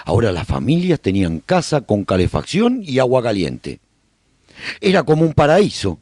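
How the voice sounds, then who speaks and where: A man's voice: mid-range voice, wildly swooping pitch, moderate pace, a little mellow, no echo, studio quality. A man with a Spanish accent narrating a radio serial in the first person, telling the story as a survivor speaking to listeners.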